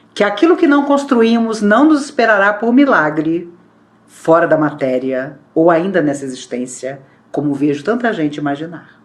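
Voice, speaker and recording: With audible room echo, a woman at a fairly low pitch speaks at a moderate pace, her pitch swinging very widely. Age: 60s. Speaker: spiritist lecturer. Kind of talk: lecture.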